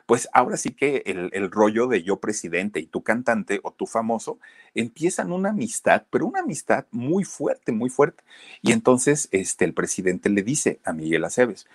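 A man's voice: medium pitch, very animated, moderate pace, dry recording, studio quality. A man with a Mexican accent telling a story in a casual, chatty way, speaking straight to his listeners with plenty of fillers. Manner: addresses listeners directly, chatty with many fillers.

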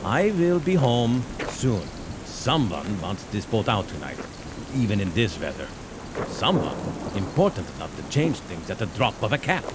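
An actor playing an aging, dutiful Swiss harbor pilot with a Swiss German accent, speaking halting English with German slips. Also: male voice, fairly low pitch, big pitch swings, background noise. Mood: wry. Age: older. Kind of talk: radio drama acting.

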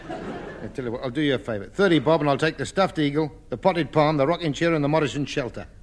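A man's voice: on the high side, quick pace, lightly acted. A man playing a wily junk dealer. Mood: haggling. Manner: wheedling, street-trader patter. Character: wily, haggling rag-and-bone man. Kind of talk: 1950s radio sitcom acting.

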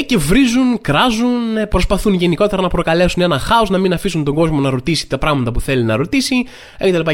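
A young man hosting a podcast, telling a funny story in a casual, slangy monologue and acting out the people he quotes. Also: high-pitched. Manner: animated storytelling, acts out quoted voices. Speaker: podcast host. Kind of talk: comic monologue.

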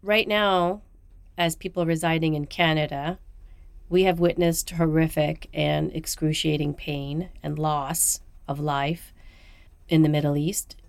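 A low-pitched woman host speaks in a calm, gentle voice. She reads the introductions with care and then eases into her first question. The studio sound is close and dry. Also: measured pace, vocal fry, clear, resonant tone, dry recording. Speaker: radio host. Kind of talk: scripted introduction and interview.

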